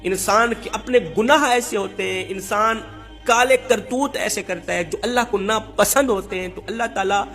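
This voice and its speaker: High-voiced man narrating a religious story. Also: a bit bright, soft background music. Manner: dramatic, repeats phrases for emphasis.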